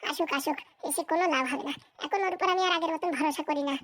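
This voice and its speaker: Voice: sits high, fairly even intonation, quick pace, fairly bright tone, a little hiss or hum. A performer voicing a scheming, bossy village madam in a comedy cartoon, with scolding, boastful colloquial chatter. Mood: dismissive, scheming. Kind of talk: exaggerated cartoon comedy dialogue.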